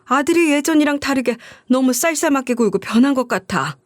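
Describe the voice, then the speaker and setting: A middle-aged widowed mother, played by a woman, hurt and furious at her son. She pleads and shouts in a high, pushed voice. The sound is dry and close, as in a story radio recording. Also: lively intonation, a little fast, no room sound. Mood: pleading. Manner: pleading then shouting in anger.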